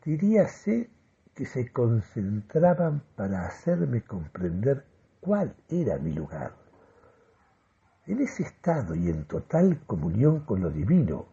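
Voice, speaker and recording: An actor playing a euphoric, deluded man who solemnly delivers a grandiloquent radio monologue with deliberate, dramatic pauses. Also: on the low side, big pitch swings, warm tone, slightly rough, dull audio, heavily acted. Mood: earnest, deluded. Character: euphoric, deluded man convinced of mystical energy communication. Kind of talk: theatrical first-person radio monologue.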